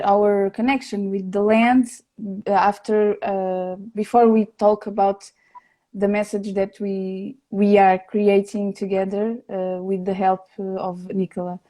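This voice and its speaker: Mellow-voiced woman host, halting and slow. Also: medium pitch. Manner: hesitant, halting questions with many fillers. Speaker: event host. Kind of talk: hosting a panel conversation.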